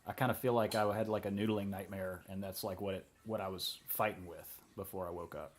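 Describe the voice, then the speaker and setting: A man with a Southern US accent and a folksy old-gentleman drawl, making wry, casual commentary over an art video. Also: deep voice, steady tone, brisk, slight background noise. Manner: wry, joking.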